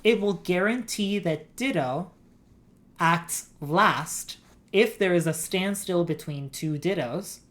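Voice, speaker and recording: A woman's voice: fairly low pitch, takes it slowly, slight background noise. A woman streaming a game, explaining game mechanics in a rambling, giggly way. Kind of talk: casual gameplay stream chat.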